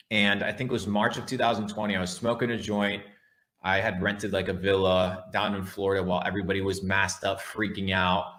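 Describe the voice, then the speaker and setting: A man's voice: fairly low pitch, fairly bright tone. A man talking like a brash crypto bro in a casual motivational livestream, blunt and profane, hammering key words by repeating them. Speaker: livestream host, online entrepreneur.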